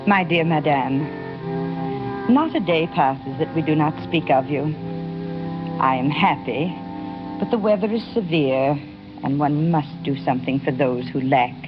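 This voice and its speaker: An actress playing a bishop's devoted older sister, reading a letter gently and earnestly in a 1930s radio drama, on a muffled old broadcast. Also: female voice, low-pitched, a little slow, pauses often, over music. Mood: tender.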